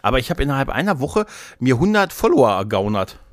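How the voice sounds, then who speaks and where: A man's voice: medium pitch, very animated, fast talker. A man talks in a casual podcast style, with a mid-range voice and a dry recording free of room echo. He is chatty and rambling, often breaking off his own sentences to start them again. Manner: chatty, rambling, self-interrupting. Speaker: podcast co-host.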